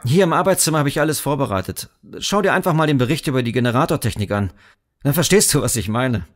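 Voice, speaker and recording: An actor playing an eager, friendly younger brother in an audio drama, a little hesitant and apologetic. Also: male voice, medium pitch, expressive, fast talker, lightly acted.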